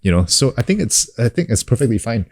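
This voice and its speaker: A man in his thirties from New Zealand, a guest in a relaxed interview, talking loosely with many fillers and restarts. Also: mid-range voice, fast talker, no echo, studio quality. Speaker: guest, actor and coach. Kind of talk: casual sit-down interview.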